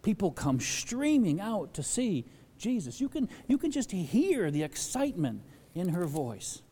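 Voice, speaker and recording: A man preaching from the pulpit with a lively, swooping delivery, and his voice rings out in a long hall echo. His tone is mellow and warm, and he slips into the voices of the people he quotes. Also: sits high, unhurried, slightly rough. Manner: animated, acts out quoted voices. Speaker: pastor. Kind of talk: sermon.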